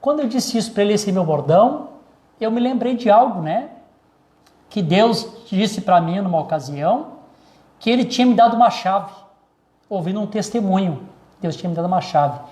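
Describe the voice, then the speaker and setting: A male pastor tells a story from the pulpit in a fairly high voice. He circles back, restarts phrases and repeats key words as he preaches. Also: sing-song, fairly quick, dark tone. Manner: storytelling, many repetitions and restarts. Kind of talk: sermon testimony.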